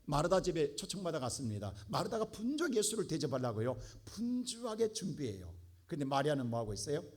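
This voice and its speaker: A man preaching a sermon as pastor, dramatically acting out the words of biblical figures and swinging between quiet low asides and loud, impassioned bursts. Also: big pitch swings, fast talker. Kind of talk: Korean church sermon. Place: church sanctuary.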